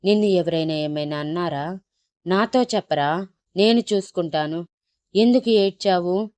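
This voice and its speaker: A woman's voice: lowish voice, moderate pace, warm tone, no room sound, close to an everyday voice. A woman voicing a worried, protective young husband who scolds, then coaxes and pleads. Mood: pleading.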